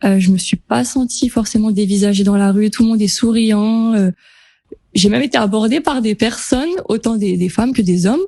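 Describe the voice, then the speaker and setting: A woman in her twenties, a pageant contestant, chatting casually in a radio interview with relaxed hesitations and easy laughter. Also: mid-range voice, normal speed, creaky, no echo. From French Polynesia. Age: 20s. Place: radio studio.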